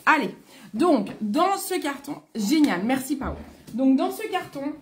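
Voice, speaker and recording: Woman, French accent, slightly high voice, congested throat, chatty live stream host, lots of fillers. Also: sing-song, unhurried, a little hiss or hum. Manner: chatty, greets viewers by name, many fillers. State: coming down with a cold, congested throat. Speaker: beauty consultant selling online. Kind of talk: casual live stream chat.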